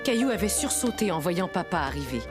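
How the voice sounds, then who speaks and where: A woman's voice: fairly low pitch, sing-song, brisk. A woman narrating a children's cartoon as a kindly storyteller, reading a scripted tale. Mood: gentle narration. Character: kindly storyteller narrating a small boy's adventures. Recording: music under the voice.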